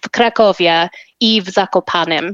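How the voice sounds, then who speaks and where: The speaker has an English accent and a very slow pace. Pitch variation is ordinary. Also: woman. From US, Colorado. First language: English (speaking Polish). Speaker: diplomat. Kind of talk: interview. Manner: halting, many fillers.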